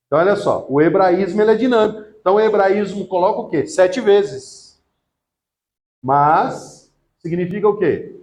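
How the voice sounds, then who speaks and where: Guy teaching a bible class, fairly high voice, keeps throwing questions at the students. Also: moderate pace. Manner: lively, asks the class questions and acts out quotes. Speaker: theology teacher. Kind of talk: classroom lecture.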